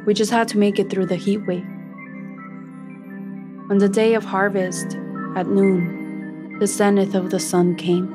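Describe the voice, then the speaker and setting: An earnest, sorrow-touched young maize plant played by a woman tells its own story. The delivery is scripted, deliberate and emotive, in a mid-range voice with light music underneath. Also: medium pitch, little pitch movement, close to an everyday voice. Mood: weary, wistful. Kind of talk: scripted first-person story narration.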